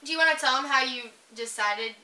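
Bright-voiced young woman host, roomy sound. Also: high voice, fairly quick. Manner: chatty, many fillers, giggly. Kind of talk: casual chat. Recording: roomy, distant mic.

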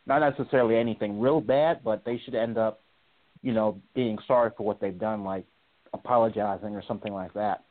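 A man's voice: fairly low pitch, steady tone, brisk. A man calling in to a radio talk show over the phone, telling his story in a hesitant, rambling way. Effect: heard over a phone line. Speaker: caller. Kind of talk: call-in radio chat. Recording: tinny phone line.

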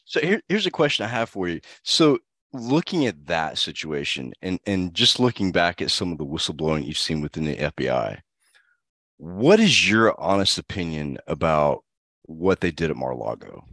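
A man's voice: low voice, very animated, moderate pace, fairly bright tone, dry recording, clean studio sound. A man hosting a podcast and interviewing a guest, mostly giving brief reactions before asking long questions. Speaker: podcast host.

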